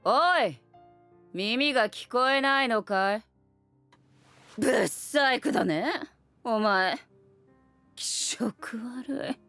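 A haughty anime demon villainess speaks in a high, evil-queen sneer. She draws her contempt out very slowly and menacingly, with music underneath. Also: sharp tone, full character voice. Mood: scornful, menacing. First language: Japanese. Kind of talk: Japanese anime acting.

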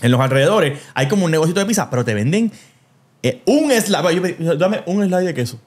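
A Puerto Rican man hosts a podcast, telling stories in casual chat with a fairly quick, high-sitting voice. He's an animated storyteller who drops English words into his speech and restarts his sentences often.

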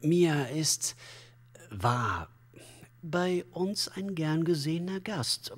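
An actor playing an esoteric male commune leader in a crime radio drama, unctuous and evasive, speaking in a halting, solemn, flowery way. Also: a little high, expressive, heavily acted. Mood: mournful, evasive. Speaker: suspect under police questioning. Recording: long hall reverb.

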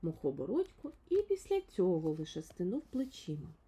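A woman narrates a fairy tale for children in a mellow, slightly husky voice. Her pitch is mid-range but moves widely, giving an expressive, storybook read. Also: normal speed.

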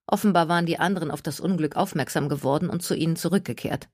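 A woman narrating an audiobook in even, clear storytelling. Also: low-pitched, quick pace, no echo, clean studio sound.

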